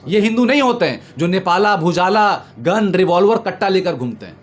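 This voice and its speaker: This high-pitched man from Bengal, India, is a political commentator under interview, making an impassioned political argument. He's expressive and a little fast, emphatic and repetitive, building oratorical lists over noticeable background noise.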